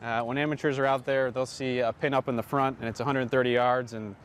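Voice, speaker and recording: Male golf instructor, quick delivery, mid-pitched voice, explaining casually outdoors with faint background noise. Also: steady tone. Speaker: golf pro giving tips.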